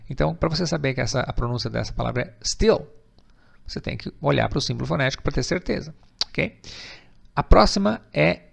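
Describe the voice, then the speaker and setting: A Brazilian man with a Brazilian Portuguese accent teaching English pronunciation, explaining patiently, repeating words slowly and often checking with "ok?". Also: mid-range voice, gravelly. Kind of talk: pronunciation lesson.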